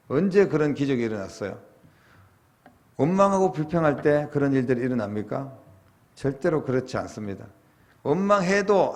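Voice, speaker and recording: Pastor, man, middle-aged, preaching sermon, rhetorical questions, emphatic swells. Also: mid-range voice. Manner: rising to animated, emphatic peaks when voicing complaint and prayer.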